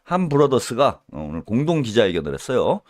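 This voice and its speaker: A man's voice: medium pitch, very animated, fairly quick, darkish tone, dry recording, clean studio sound. A man giving a solo political commentary, heated and scolding, with mocking insults and little acted-out dialogues. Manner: acts out little mock dialogues.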